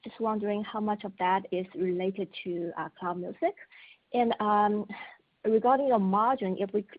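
A woman's voice: medium pitch, fairly even intonation, moderate pace. A woman with a Chinese accent, a native Mandarin speaker, asking questions as an analyst on an earnings call. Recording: tinny phone conference line.

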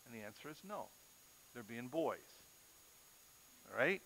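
A middle-aged male pastor giving a parenting lecture to a live audience, an animated storyteller who acts out scenes. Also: medium pitch, unhurried, creaky, slight background noise. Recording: long reverb of a large hall.

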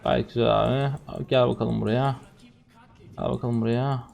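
A man in his twenties from Turkey, streaming a game and commenting on his play, swinging from low muttering to loud excited outbursts. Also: normal speed, gravelly, faint music behind. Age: 20s. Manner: swings from muttering to shouting and laughing.

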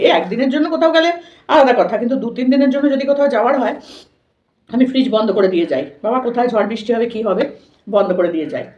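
A woman's voice: on the high side, darkish tone. A woman chatting informally to her viewers as she eats, like a casual food vlog. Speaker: vlogger. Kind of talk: casual chat to viewers while eating. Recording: echoey room, dull lo-fi sound.

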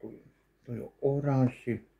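A man in his thirties from Finland, casually tasting and judging candies at home, talking slowly between bites. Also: medium pitch, steady tone, warm tone. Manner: slow, chewing between remarks. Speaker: candy taste-test vlogger. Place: home kitchen, indoors. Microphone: webcam at desk distance.

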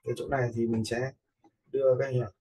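A man with a gravelly, husky voice, casually commenting as he teaches video editing. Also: medium pitch, little pitch movement, fast talker. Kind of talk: casual screen-recorded tutorial commentary.

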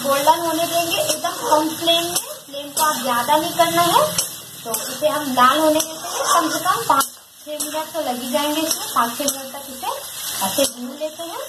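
A woman's voice: high-pitched, normal speed, roomy sound, heavy background noise. A woman demonstrating a recipe step by step at her home stove, patient, repeating each instruction and speaking directly to viewers. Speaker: home cook presenting a recipe.

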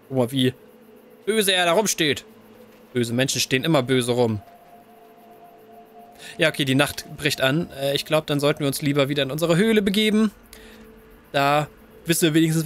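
A young man narrating his game play in German with a bouncy, highly animated delivery, his voice sitting a touch high for a man. He coos affectionately and yelps in alarm as he reacts to what happens on screen. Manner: excitable, cooing at the game's fox cubs. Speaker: let's play gamer. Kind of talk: game commentary.

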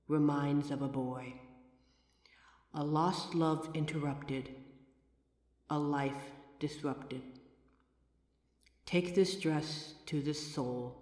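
A woman playing a kind, playful psychic who gently helps a ghost in an audio roleplay. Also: low-pitched. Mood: solemn, hushed. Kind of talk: audio roleplay addressed to the listener.

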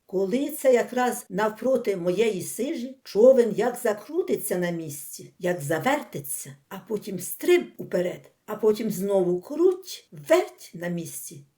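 A woman reads a humorous story aloud for an audiobook. Her voice is dark and mellow. Her pitch swings widely as she tells the story with plenty of expression. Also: very animated, measured pace, few pauses. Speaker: audiobook reader.

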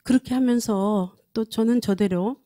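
A woman in her sixties from South Korea gives a personal testimony in an earnest, halting way, repeating phrases as she goes, speaking into a handheld microphone. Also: a little high, dark tone. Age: 60s. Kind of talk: personal testimony at a prayer meeting. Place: indoor studio set, standing at a lectern. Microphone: handheld microphone close to mouth.

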